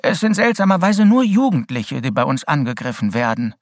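A man voicing a gruff, bitter old male school headmaster and former policeman who growls his words curtly. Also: mid-range voice, big pitch swings, a little fast, no echo, studio quality. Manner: growling, curt.

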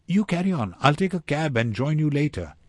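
A man's voice: fairly high pitch, big pitch swings, a little fast, no echo, pitched above the performer's own voice. A man voicing a concerned, stubborn woman in a storybook, speaking with earnest insistence. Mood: insistent, concerned. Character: concerned, stubborn, determined woman helping a child.

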